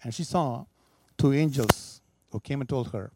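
A man's voice: mid-range voice, unhurried, background noise. A man preaching, telling a story with emphatic, dramatic delivery. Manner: emphatic, rising and falling for drama.

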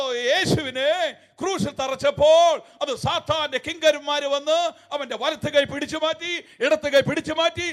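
Telling funny stories from the pulpit, this male preacher moves back and forth between loud, forceful declarations and soft, sardonic jabs.

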